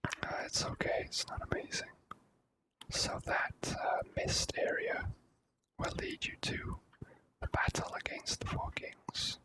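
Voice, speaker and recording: A person whispering slow, gentle ASMR commentary while playing a video game. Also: low-quality recording. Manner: hushed, gentle, slow and unhurried. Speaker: video game player and host.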